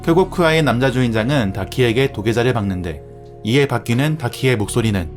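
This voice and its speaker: A man's voice: mid-range voice, animated, brisk. A man narrating a scripted anime review as the reviewer. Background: music.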